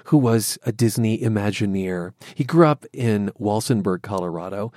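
A man from Southern California with an American accent, hosting a public radio interview in a measured, articulate way. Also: lowish voice, warm tone, dry recording, studio quality. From Southern California, USA.

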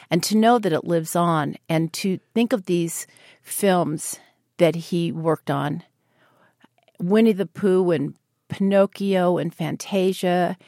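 Older American female guest, earnest and reflective, slightly low register, dry close sound. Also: darkish tone, no room sound. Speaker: interview guest. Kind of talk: reflective interview conversation.

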